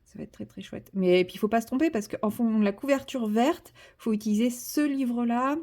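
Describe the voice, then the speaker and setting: A woman's voice: a little high, a little fast, a little mellow. A woman vlogging casually from home, chatty and hesitant with many fillers and self-corrections, turning enthusiastic as she shows a craft kit. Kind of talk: casual vlog chat.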